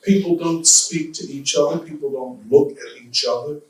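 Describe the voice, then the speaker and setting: A man with an African American English accent, giving a slow, deliberate speech in a church, with rhetorical questions to the congregation. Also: a little high. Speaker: guest speaker. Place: church hall. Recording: echoey hall from far off.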